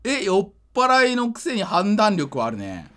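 A drunk man giving casual gameplay commentary, rambling, slightly slurred and excitable, often repeating himself. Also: high-pitched, unhurried. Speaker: gaming video creator.

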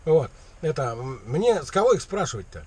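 A prankster takes a sales call from inside a parked vehicle cab, chatting casually in a rambling, slangy, mock-naive way. His voice is a little high, slightly rough and very animated, at a moderate pace. It's a colloquial phone chat.

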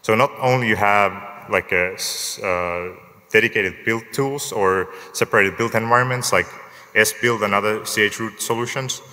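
A man from Finland, giving a relaxed, lightly joking technical talk at a lectern in a large conference hall. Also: on the low side, moderate pace. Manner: relaxed, lightly joking, asks the audience show-of-hands questions. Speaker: conference speaker. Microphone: lectern microphone. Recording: long hall reverb, from the lectern mic.

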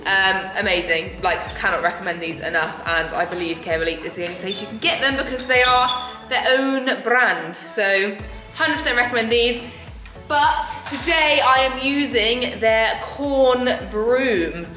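A woman's voice: on the high side, unhurried, sharp tone, soft background music. A young woman chatting casually in a horse barn, bubbly and full of fillers, filmed close on a handheld camera. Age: young adult. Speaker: horse rider vlogger. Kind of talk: casual vlog chat.

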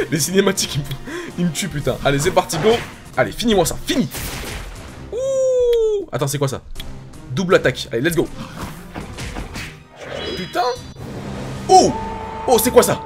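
A man giving excited gameplay commentary, hyped and swearing casually as he talks to his viewers. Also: a little high, brisk, long pauses, over music. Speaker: gaming YouTuber. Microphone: facecam setup.

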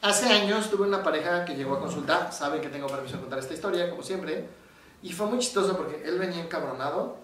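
A man's voice: fairly high pitch, fast talker, far from the mic, a little hiss or hum. A man with a Mexican accent, a psychologist, explaining in casual talk and acting out the voices in his stories. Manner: animated storyteller, acts out quoted voices. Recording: very echoey room, voice from off the mic.

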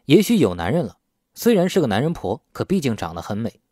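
Animated male audiobook narrator. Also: mid-range voice, fast talker, dry recording, studio quality. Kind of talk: scripted novel narration with acted dialogue.

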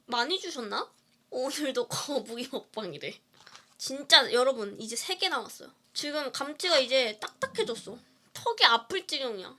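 A woman's voice: high voice, bright, forceful tone. A woman indie singer chatting casually on a livestream while eating, playful and giggly as she answers viewer comments. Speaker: indie singer live-streaming.

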